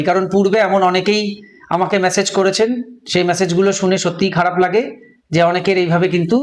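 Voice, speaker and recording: A man giving a spiritual lesson, patiently spelling out words and repeating them, talking straight to viewers. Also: high-pitched. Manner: colloquial, addresses viewers directly. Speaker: spiritual teacher. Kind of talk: instructional talk.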